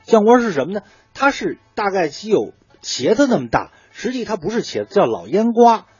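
Animated Beijing-accented man, slightly husky. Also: high voice, fairly quick, no echo. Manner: colloquial storyteller, asking and answering own questions. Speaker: food writer guest explaining dishes. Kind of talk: conversational explanation of traditional cooking. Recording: muffled, dull lo-fi sound.

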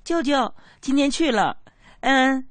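A man's voice: very high voice, lively intonation, takes it slowly, a bit bright, no echo, voice pushed up, exaggerated voice. A man voicing his scrappy little niece of about three, with a childish, blunt, matter-of-fact delivery. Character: feisty little girl, three-ish, a scrappy toddler niece.

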